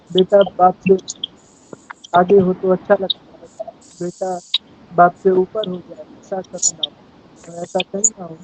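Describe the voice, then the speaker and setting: A man's voice: sits high, mellow, a little hiss or hum, low-quality recording. A man moderating an online poetry event over a video call, politely thanking the poet and inviting the next speaker in formal words.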